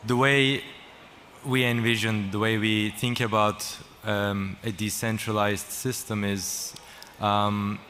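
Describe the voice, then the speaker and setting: A man from Turkey speaking as a panel guest at a conference, slow and halting with many ums and restarts. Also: on the low side, level tone, bright, forceful tone. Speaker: panel guest, company founder. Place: conference stage. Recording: large hall with faint noise.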